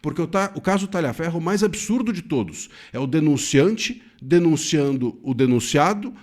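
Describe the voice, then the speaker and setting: Emphatic Brazilian man with a lively voice. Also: a little high, normal speed. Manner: earnest, emphatic, with frequent self-corrections and restarts. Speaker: legal commentator. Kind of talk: solo commentary to camera.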